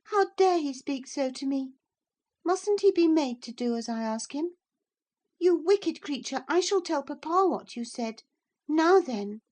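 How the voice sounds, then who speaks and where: A woman's voice: sing-song, a little slow, dark tone. A woman reading an audiobook and voicing a spoiled, imperious young girl who is demanding and easily brought to tears. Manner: shrill, demanding, indignant.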